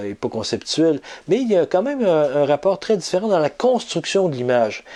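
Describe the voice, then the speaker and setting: The man's dark, mellow tone swings very widely in pitch, in a Quebec accent. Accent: Québécois French. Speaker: poet and publisher. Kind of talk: interview. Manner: halting, many fillers.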